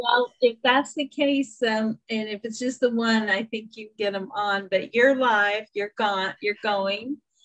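Here a woman talks with a Southern US accent in a fairly high pitch. Her intonation is fairly even, and the background is quiet. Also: fairly slow pace. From US South. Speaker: class coordinator. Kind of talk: casual chat. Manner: halting. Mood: friendly, chatty. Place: home room. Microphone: video call.

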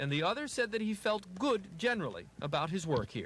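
The man speaks at a moderate pace, with a dry sound and no echo. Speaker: TV news reporter. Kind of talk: 1980 TV news report, scripted narration with on-scene interview questions. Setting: TV news report on location. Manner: formal, measured, brisk broadcast delivery. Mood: serious, measured.

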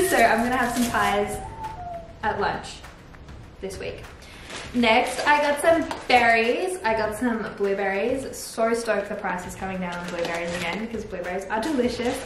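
A woman at a moderate pace, with big swings in loudness, music in the background and audible room echo. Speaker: vlogger. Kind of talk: casual vlog chat. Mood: cheerful, upbeat. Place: kitchen. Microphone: camera far.

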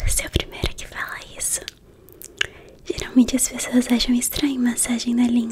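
Soft-spoken and high-pitched, a woman talks at a moderate pace with ordinary pitch variation over noticeable background noise. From Brazil. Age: young. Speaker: ASMR artist. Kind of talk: ASMR roleplay as piercer. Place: home room. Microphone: studio mic.

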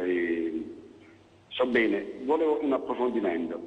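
In a normal speaking voice, a man talks at a medium pitch with lively intonation. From Foggia, southern Italy; southern Italy. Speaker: caller. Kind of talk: call-in question. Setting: phone call. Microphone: phone line.

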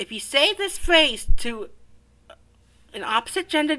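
Her tone bright and sharp, a woman speaks at a moderate pace with very wide pitch swings. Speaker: video narrator. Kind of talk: video game machinima narration. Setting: low-quality microphone.

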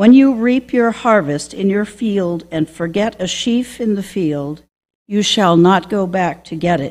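At a fairly slow pace, a woman talks with ordinary pitch variation. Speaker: lay worship leader. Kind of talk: reading aloud. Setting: church. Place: church. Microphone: podium.

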